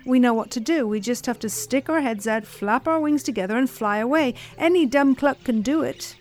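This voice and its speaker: A woman's voice: a little high, normal speed, a little mellow, natural voice. A woman voicing stubborn quails who mock the idea of leaving home. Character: smug stubborn stay-behind quails.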